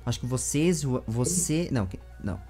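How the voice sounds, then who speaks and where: A Brazilian man in his twenties hosting a casual interview, speaking in a halting, rambling way into a close desk microphone. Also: medium pitch, lively intonation, dark tone, soft background music. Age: 20s. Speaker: interview host. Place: small home room with bookshelves, indoors. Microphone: large desk microphone with foam cover, close.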